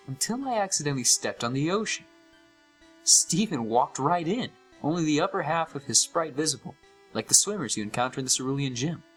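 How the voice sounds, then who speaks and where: A man's voice: medium pitch, fairly bright tone, rough recording. A young man playing an uneasy gamer who narrates a scripted horror story with dramatic, suspenseful delivery. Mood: puzzled, tense. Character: uneasy young male gamer recounting a haunted game.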